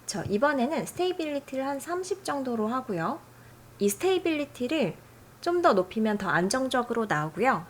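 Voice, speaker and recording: A woman hosting a software tutorial, explaining settings in a friendly, chatty way. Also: fairly high pitch, a little hiss or hum. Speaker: tutorial host.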